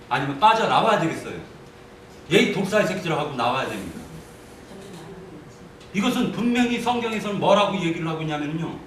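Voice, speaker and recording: A man delivers a heated church testimony in a fairly high voice, full of condemnation. He sounds far from the mic in a very echoey room. A faint noise sits underneath. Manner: vehement, denouncing, rising to anger. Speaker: church member giving testimony. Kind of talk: impassioned testimony.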